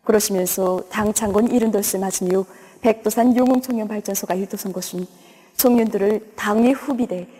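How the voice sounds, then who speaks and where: A woman's voice: medium pitch, a little fast, dark tone, slightly rough. A woman with a North Korean accent narrates television news from a script in a solemn, reverent, declamatory way. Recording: long hall-like reverberation.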